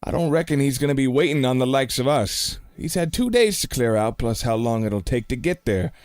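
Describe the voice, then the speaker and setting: An actor playing a brash frontier cowboy in a radio play, talking in blunt, folksy slang and pushing for action. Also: male voice, mid-range voice, animated, a little fast, a little mellow, no echo, clean studio sound, natural voice. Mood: blunt, eager. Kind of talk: community radio play acting.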